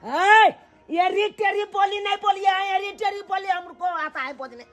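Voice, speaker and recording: A furious village husband with a Maithili accent, voiced by a woman, scolding loudly in a comedy skit. The voice sits very high. Faint music runs under the scene. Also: moderate pace. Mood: angry. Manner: loud, scolding, theatrical.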